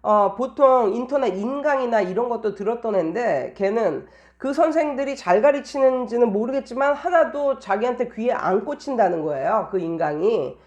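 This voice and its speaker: A woman's voice: fairly high pitch, animated, normal speed, few pauses, a little mellow, muffled recording. A woman tutor talking casually in an anecdotal monologue, explaining things and repeating phrases for emphasis. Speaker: private English tutor giving teaching tips.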